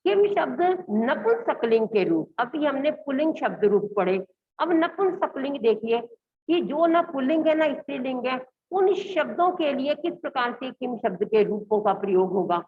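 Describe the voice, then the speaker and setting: A woman teacher with a fairly high voice leads a recorded lesson. She speaks to her pupils fondly as "beta" and steps through grammar forms one at a time. The recording is dull and lo-fi. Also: lively intonation, moderate pace, a little hiss or hum. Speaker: school Sanskrit teacher.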